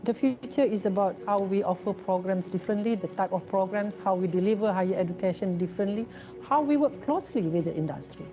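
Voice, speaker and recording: A woman speaking as a higher education leader in a promotional interview, earnest and emphatic. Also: fast, warm tone. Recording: dull lo-fi audio with music bed. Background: background music.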